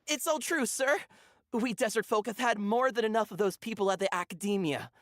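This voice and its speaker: A man voicing a zealous, gossipy desert villager with an earnest, excitable manner in a video game. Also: high voice, brisk, no room sound, studio quality. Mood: pleading, earnest. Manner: earnest, excitable, stammering when cornered.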